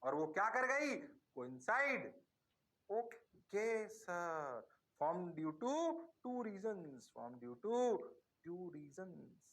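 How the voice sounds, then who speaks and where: A male teacher giving a lecture, animated and playful, coaxing the class by asking the same question again and again. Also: high voice.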